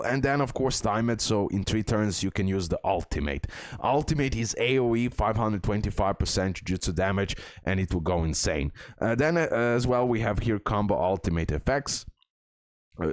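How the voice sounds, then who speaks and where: A man's voice: lowish voice, no room sound, clean studio sound. A man presenting a game guide as a video host, repeating key points for emphasis. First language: not English.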